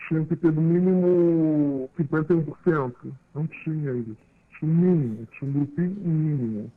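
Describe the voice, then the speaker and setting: A woman's voice: low voice, fairly quick. A woman whose voice is disguised by a voice changer, giving a matter-of-fact, step-by-step account as an anonymous caller in a recorded statement. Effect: voice changer distorting the voice. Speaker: anonymous caller who works at the bar association. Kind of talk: recorded statement played on a radio show. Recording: tinny phone-like recorded clip.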